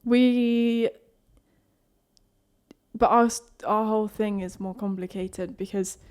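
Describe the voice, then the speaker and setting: A woman's voice: medium pitch, steady tone, slow pace, darkish tone, clean tone. A woman in her twenties, chatting casually with her fiancé. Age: 20s. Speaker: host's fiancée. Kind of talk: casual Q&A chat.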